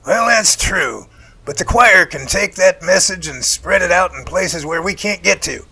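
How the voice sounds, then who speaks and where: A man's voice: sits high, animated, a little slow, vocal fry, bright, forceful tone, breathy edge, heavily acted. A man playing an earnest, resolute researcher, speaking in an emphatic, folksy, preachy way in an audio drama. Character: earnest, resolute Bigfoot researcher speechifying against hunters.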